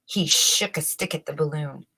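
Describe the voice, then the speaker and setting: A woman reading a children's bedtime story aloud in a measured, dramatic storyteller's manner with emphatic phrasing. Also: sits low, sharp tone, husky, low-quality recording. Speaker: storybook reader.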